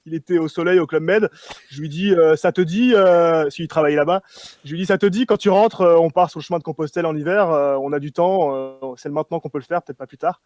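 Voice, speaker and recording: A young man from France, a relaxed guest who talks with many fillers. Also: fairly high pitch, quick pace, dry recording. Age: young adult.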